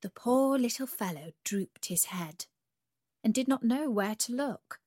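Slow, breathy woman reading a fairy tale. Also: fairly high pitch, animated, darkish tone, dry recording. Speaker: storyteller. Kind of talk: storybook reading.

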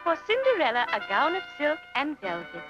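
A woman's voice: sits high, huge pitch swings, brisk. A woman voicing a kindly, motherly fairy godmother in a children's storybook drama, sweet, fussing and reassuring. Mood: cheerfully magical. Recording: dull lo-fi audio under music.

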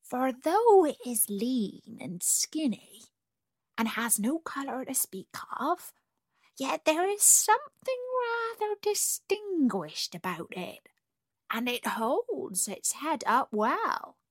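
A woman's voice: high voice, big pitch swings, slow pace, no echo, pitched above the performer's own voice, exaggerated voice. A woman voicing a gossiping duck neighbour in a storybook, speaking in a confiding whisper.

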